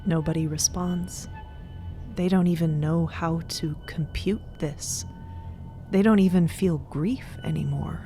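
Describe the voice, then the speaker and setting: A woman giving grave, deliberate scripted narration for a fantasy audio drama. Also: low-pitched, dark tone, soft background music.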